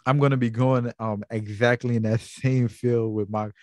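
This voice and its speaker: A man's voice: mid-range voice, little pitch movement, moderate pace, dry recording, clean studio sound. A man from Guyana hosting an interview, talking earnestly and rambling a little with many fillers. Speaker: interview host. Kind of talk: casual interview.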